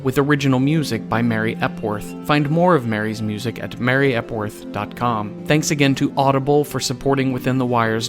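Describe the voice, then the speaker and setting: A man reading scripted podcast credits and sign-off as an announcer, with a deadpan delivery. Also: mid-range voice. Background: guitar music.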